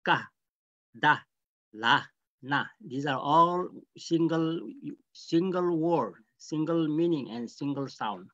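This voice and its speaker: A man's voice: a little high, expressive, slow pace, sharp tone, no echo. An older man giving an online guest lecture on language, spelling words out letter by letter and repeating key phrases. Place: home room, virtual background. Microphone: laptop video call. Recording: dull lo-fi video call.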